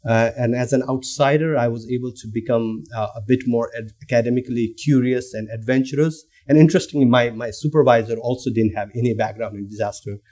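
A man's voice: mid-range voice, fairly even intonation, fast, hardly any pauses, mellow. A man from Nepal, a researcher in his thirties, speaking thoughtfully with many fillers and restarts. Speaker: guest lecturer and researcher. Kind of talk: academic conversation.

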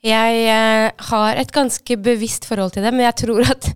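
Woman guest with a smooth, clear voice. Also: on the high side, steady tone, no room sound, clean studio sound. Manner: reflective, thoughtful. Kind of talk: casual chat.

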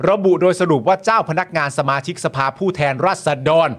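A man's voice: sits high, brisk. A man co-hosting a casual news talk show, commenting on the news with jokes and laughs. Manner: joking, excitable, bursts into laughter.

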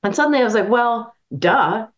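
A woman's voice: on the high side, animated, brisk. A woman guesting on a podcast, chatting in a rambling way with many fillers. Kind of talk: casual chat. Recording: dull lo-fi sound.

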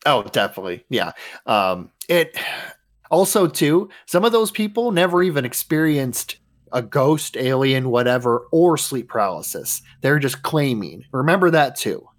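A man co-hosting a podcast, chatting casually in a joking, animated way and swearing freely. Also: mid-range voice, moderate pace. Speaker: podcast co-host. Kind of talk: casual chat.

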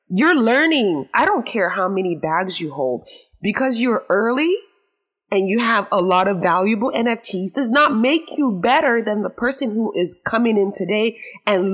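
A woman with a raspy, hoarse voice hosting a talk show monologue, giving her opinions emphatically and repeating phrases for effect. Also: a little high. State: hoarse after a late night.

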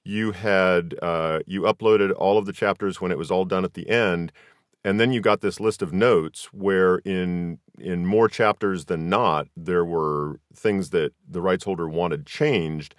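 A man hosting a conversational interview, speaking in a measured, deliberate way as he lays out long questions. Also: low-pitched, no room sound, clean studio sound. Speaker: podcast host and interviewer.

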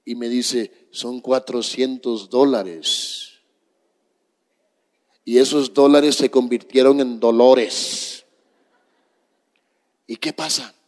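A middle-aged man, a pastor, slowly telling a story in a sermon to his congregation. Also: mid-range voice, fairly even intonation, darkish tone. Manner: slow, dramatic storytelling to a congregation. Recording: long reverb of a church hall.

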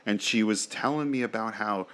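A man with a very deep, low voice co-hosts a casual podcast. He tells stories crudely and with animation, swearing freely. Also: moderate pace, a bit bright. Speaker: podcast co-host.

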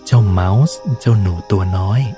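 A man narrating a bedtime story gently in a soft ASMR style. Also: low voice, fairly even intonation, moderate pace, music in the background.

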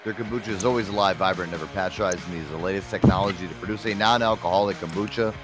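A man's voice: deep voice, rapid-fire, over loud music. A man hosting a casual talk show, reading sponsor ads and bossing his co-host in a brash, joking way. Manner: brash, laughs often, bossy with co-host. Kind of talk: casual radio-style show with ad reads.

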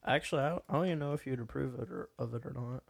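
Hesitant young man, gravelly voice. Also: medium pitch, racing. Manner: hesitant, many ums and uhs. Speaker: podcast guest. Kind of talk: casual podcast banter.

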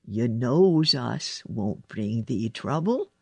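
A woman voicing a gentle, plain-spoken country boy in a storybook. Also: very deep voice, big pitch swings, takes it slowly, gravelly, husky, dry recording, pitched below the performer's own voice, exaggerated voice. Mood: tender. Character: gentle, earthy country lad who loves animals.

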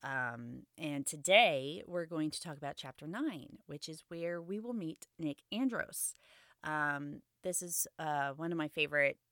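A woman's voice: deep voice, animated, a little slow, fairly bright tone, no echo, studio quality. A woman hosting a book-review podcast, chatting casually and thinking aloud, sounding sniffly from a summer cold. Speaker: podcast host.

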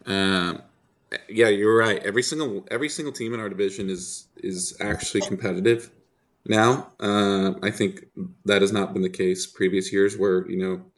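Deep voiced guy, casual sports podcast talk. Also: fairly even intonation, normal speed.

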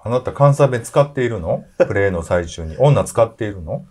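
A man's voice: lowish voice, brisk, breathy edge. A man with a Kansai accent hosting a casual talk show, reading listener mail and teasing his co-hosts. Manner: animated, chatty, teasing. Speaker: podcast host.

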